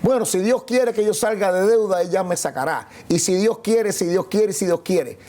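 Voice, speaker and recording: High-voiced pastor hosting a TV show. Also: male voice, normal speed, warm tone. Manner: preacherly, declaring blessings, stretching words for emphasis. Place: TV studio.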